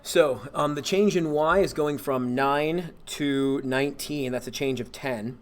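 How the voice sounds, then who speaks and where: A math teacher records a homework walkthrough screencast, working through problems while thinking aloud and correcting himself as he goes. Relaxed, he speaks in a mid-range voice, a little slowly.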